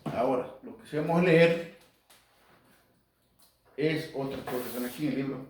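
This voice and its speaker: A man leads a Catholic Bible lesson for radio in a loose, conversational way, often repeating words and slowing down to read verses. His voice sounds distant from the microphone and carries heavy room echo. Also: mid-range voice, darkish tone. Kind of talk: informal Bible study talk. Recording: very echoey room, distant mic.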